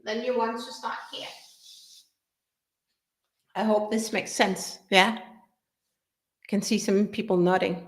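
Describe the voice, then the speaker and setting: Slow-speaking woman. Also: medium pitch, fairly even intonation. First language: Danish. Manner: earnest, repeats and restarts phrases. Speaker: business coach. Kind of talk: live workshop talk.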